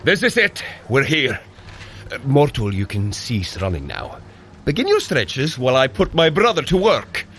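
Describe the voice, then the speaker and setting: An actor playing a hearty, bumbling god of thunder in an audio drama, speaking in grand, archaic heroic phrases. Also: male voice, mid-range voice, very animated, normal speed, fairly bright tone, breathy edge. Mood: hearty, urging. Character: boisterous, hearty god of thunder, bumbling good-natured brother. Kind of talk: audio drama fitness adventure.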